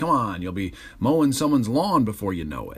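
Vocal fry marks a man's medium-pitched voice, which swings very widely in pitch at a fairly quick pace. The recording is very clean, with a silent background. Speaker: performer and screenwriter doing blog commentary. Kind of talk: scripted narration. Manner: fast.

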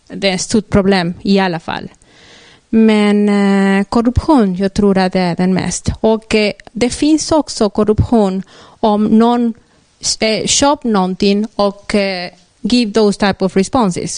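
With a Spanish accent, the speaker uses ordinary pitch variation at a fairly slow pace, the sound dry and close with no echo. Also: woman, medium pitch for a woman. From northern Argentina. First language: Spanish (speaking Swedish). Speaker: audience member. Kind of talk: Q&A comment. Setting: seminar with live audience. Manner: halting.

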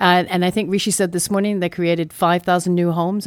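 A woman's fairly low voice in a non-native accent, monotone and flat, on a very clean recording with a silent background. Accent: non-British foreign. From outside the UK, Italian passport. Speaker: fintech executive and lecturer. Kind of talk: casual panel discussion. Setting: office studio.

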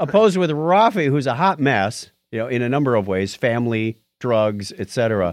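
An ordinary speaking voice from a man, medium in pitch, with lively intonation, a moderate pace and hardly any pauses. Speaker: podcast co-host. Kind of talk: casual chat. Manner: joking.

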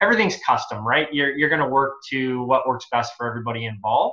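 Medium in pitch, this man has a normal speaking voice. His intonation is fairly even. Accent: Canadian. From Edmonton, Canada. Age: 40s. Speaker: real estate investor. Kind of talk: interview.

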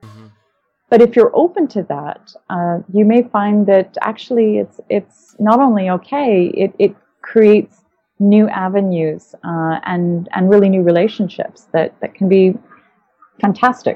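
Speaking with a Canadian accent, a woman has a plain, everyday voice with a medium pitch and ordinary pitch variation. She talks at a fairly slow pace, and her loudness swings widely. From Canadian prairies, Winnipeg. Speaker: cross-cultural consultant. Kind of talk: interview.

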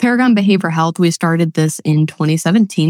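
In a dry, close recording with no echo, a woman with an American accent and an ordinary speaking voice talks at a moderate pace with a fairly low pitch. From Western New York, Webster. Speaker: behavioral health clinic co-founder. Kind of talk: casual interview.

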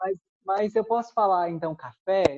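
A man speaks in a high pitch with a dark, mellow tone and ordinary pitch variation. The sound is dry and close, with no echo. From Bahia, Brazil (interior). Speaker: painter. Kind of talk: casual chat. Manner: halting, many fillers.

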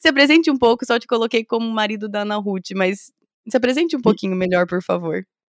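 A woman speaks at a very fast pace with lively intonation and a fairly high pitch, recorded very cleanly against a silent background with a dry, close sound and no echo. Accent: Brazilian. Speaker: podcast host. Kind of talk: casual interview chat; children's devotional lesson.

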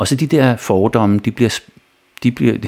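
A man's medium-pitched voice has vocal fry and ordinary pitch variation. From Denmark. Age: 50s. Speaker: podcast co-host. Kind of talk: casual chat. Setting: outdoor terrace.

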